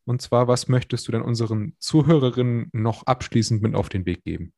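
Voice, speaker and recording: A man's voice: medium pitch, a little fast, gravelly, a little mellow, no echo, studio quality. A man hosting a podcast interview, asking questions in a friendly, casual way. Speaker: podcast host.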